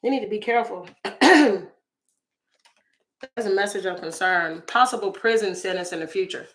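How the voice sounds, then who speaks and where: A woman with a slightly raspy voice, chatting through a tarot reading for her viewers with exclamations and asides. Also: medium pitch, moderate pace. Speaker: tarot reader.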